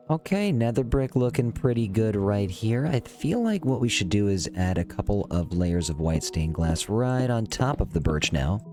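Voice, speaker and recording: A man slightly raspy from recent illness, calmly narrating his building gameplay in a relaxed, easygoing way, thinking aloud as he goes. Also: lowish voice. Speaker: Minecraft let's play host. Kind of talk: calm narrated gameplay commentary.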